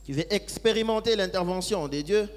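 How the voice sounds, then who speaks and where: Male sermon interpreter, fairly high voice, follows phrase by phrase, echoey hall. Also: brisk. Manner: follows each phrase closely, with occasional hesitations.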